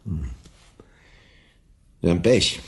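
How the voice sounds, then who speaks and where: An actor playing a gruff, suspicious black-market dealer in a German radio play, curt and domineering. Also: male voice, deep voice, animated, slow. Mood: gruff, dismissive.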